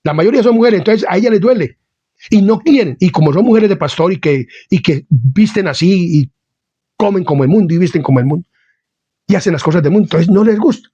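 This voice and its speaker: Blunt high-voiced male lay preacher. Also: animated, fairly quick, dark tone, breathy edge, no room sound, dull audio. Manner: blunt, hard-edged delivery; repeats the address "my dear friend and brother". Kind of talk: informal sermon to an online channel.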